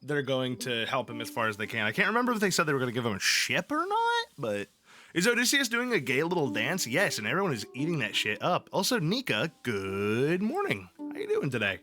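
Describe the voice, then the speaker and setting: Brisk, pushed and bright, this man's medium-pitched voice swoops wildly as he hosts a livestream. Ambient music runs under him while he goes from casual chat to reading aloud, playful, irreverent, profane and jokey throughout.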